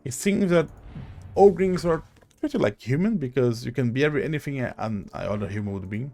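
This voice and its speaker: A man hosts a gaming video in a gravelly, mid-pitched voice. He comments casually and haltingly, thinking aloud. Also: lively intonation, mellow.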